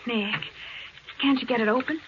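An actress playing a plucky, anxious young detective's assistant in a 1940s radio crime drama. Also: female voice, fairly high pitch, normal speed, lightly acted. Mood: eager, curious. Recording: muffled, noisy 1940s radio recording.

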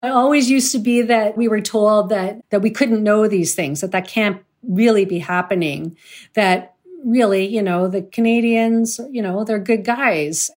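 A woman's voice: medium pitch, unhurried, a little mellow. A woman speaking earnestly and plainly in an interview. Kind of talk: conversational interview.

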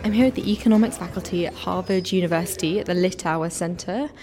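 A woman's voice: on the low side, fast, over loud music. A woman presenter who describes her surroundings as she walks, then asks conversational interview questions.

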